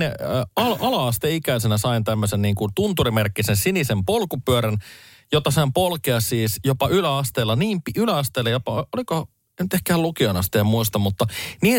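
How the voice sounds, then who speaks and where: A man's voice: mid-range voice, dry recording. A man on a panel show telling a rambling childhood story, cutting himself off mid-word. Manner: rambling, self-interrupting. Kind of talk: casual storytelling.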